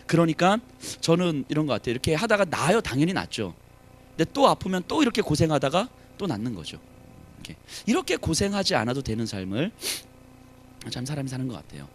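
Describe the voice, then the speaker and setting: A man preaching a sermon as pastor at a church service, animated, rising to emphatic challenges and dropping to soft asides. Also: fairly high pitch, fast talker, slight background noise.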